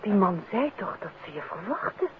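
An actress playing a detective's attentive, anxious and affectionate wife in a 1950s radio drama. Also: female voice, mid-range voice, sing-song, normal speed, natural voice. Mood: uneasy. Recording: narrow, noisy 1950s radio recording.

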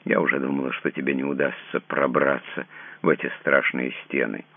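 A man's voice: very deep voice, level tone, a little fast, vocal fry, full character voice. A man voicing a young imprisoned princess who pleads emotionally and grows more urgent. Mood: hopeful. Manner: emotional, rising to near shouts. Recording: tinny narrow-band radio sound, dry.

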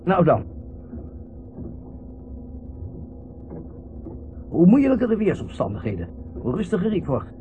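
An actor playing a stubborn, grumbling husband at the wheel who insists he is calm, in a Dutch radio play. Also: high voice, brisk, soft background music. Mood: defiant, controlled. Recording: muffled, noisy old radio recording.

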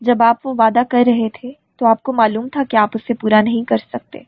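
A woman's voice: on the high side, little pitch movement, no echo, lightly acted. A woman reading a furious, defiant young woman. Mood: accusing. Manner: furious, accusing, tearful. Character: defiant young woman confronting her leader. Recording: dry tinny phone-like recording.

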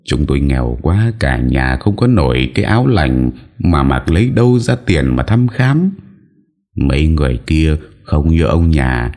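A man's voice: rumbling low, very animated, a little slow, dark tone, exaggerated voice. A man voicing a poor, weary father who laments through sobs. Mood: lamenting. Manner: sobbing, lamenting.

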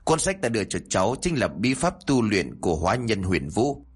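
A man voicing a kindly older male exorcist who calmly explains things to a girl. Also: fairly low pitch, moderate pace, breathy edge. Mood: earnest.

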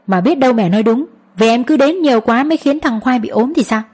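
Brief: woman reader as a brushing-off husband, short and impatient, breathy tone. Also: medium pitch, fairly quick, a little mellow, lightly acted. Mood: dismissive. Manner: curt, dismissive. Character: dismissive impatient young husband.

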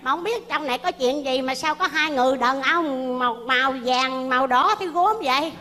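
An actor playing a pushy, nosy old grandmother in a stage comedy sketch, squealing complaints in a shrill falsetto. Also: moderate pace. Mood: mocking. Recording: live stage with loud crowd noise.

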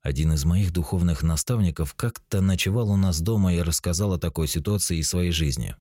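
A man in his forties narrates a spiritual self-help teaching, calm and explanatory. His voice sits very low with a mellow, dark tone. The recording is dry and close, with no room around it. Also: fairly quick, no room sound. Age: 40s. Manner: calm, explanatory, addresses the listener directly.

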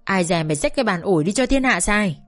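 A woman's voice: expressive, fast, soft background music, close to an everyday voice. A woman reading an audiobook, voicing a furious middle-aged mother who screams abuse at her daughter. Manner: shrill, raging, abusive scolding.

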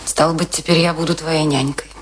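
An actress as a weary, bitter wife. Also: female voice, low voice, level tone, brisk, slight background noise, close to an everyday voice. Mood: bitter resignation. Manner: resigned, curt, weary. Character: weary, bitter long-married wife, resigned and curt. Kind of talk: Russian radio play acting, dramatic dialogue.

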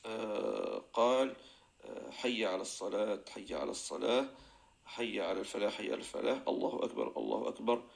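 Low gravelly sheikh teaching a lesson. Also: male voice, very animated. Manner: chants call-to-prayer phrases, frequent drawn-out fillers. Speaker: sheikh teaching Islamic jurisprudence. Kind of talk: religious lesson explaining a verse text.

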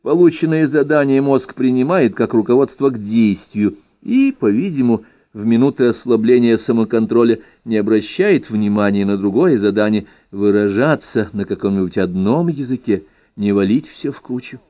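A man reading an ironic first-person essay aloud, with expressive, playful emphasis. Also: mid-range voice, normal speed. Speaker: reader. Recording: dull lo-fi recording.

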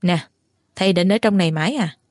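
A woman voicing a playful, pushy young man who coaxes and gently mocks in a storybook reading. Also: lowish voice, fairly quick, dry recording, clean studio sound, close to an everyday voice. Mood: teasing. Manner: coaxing, lightly mocking.

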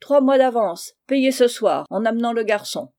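A woman voicing a gruff, greedy male schoolmaster who speaks bluntly and loudly. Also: on the high side, expressive, normal speed, close to an everyday voice. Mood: bargaining.

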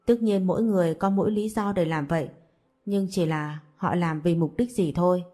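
A blunt young father, voiced by a woman. He lectures in a curt, firm tone, and the voice sits low and mellow. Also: normal speed, lightly acted. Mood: stern.

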